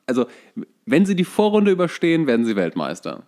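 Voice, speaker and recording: A man's voice: on the high side, wildly swooping pitch, a little fast, darkish tone. A man chatting casually and jokingly as a podcast co-host. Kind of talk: casual chat.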